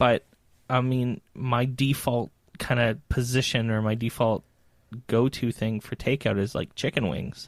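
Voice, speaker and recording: A man with a normal speaking voice talks at a fairly slow pace, medium in pitch with fairly even intonation. The sound is dry and close with no echo. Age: 30s. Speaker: podcast co-host. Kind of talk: casual chat.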